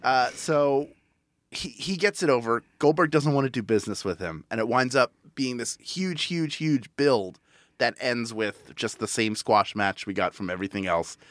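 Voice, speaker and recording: A man's voice: medium pitch, moderate pace, fairly bright tone, no echo. Casual male podcast host, dry sound. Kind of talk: casual panel discussion of wrestling history.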